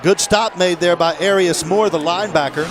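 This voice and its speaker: A man's voice: high voice, moderate pace. A man doing live play-by-play commentary of an American football game from a broadcast booth. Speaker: play-by-play announcer. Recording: broadcast booth with crowd noise behind.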